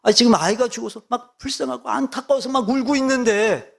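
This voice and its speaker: A man's voice: extremely high pitch, brisk, gravelly. A male pastor preaching a sermon, emphatic, repeating key words and asking rhetorical questions.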